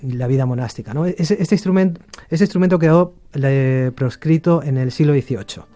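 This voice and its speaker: A middle-aged man from Argentina, a shakuhachi musician, talking in a relaxed interview with many fillers and restarts. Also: a little high, normal speed, soft background music.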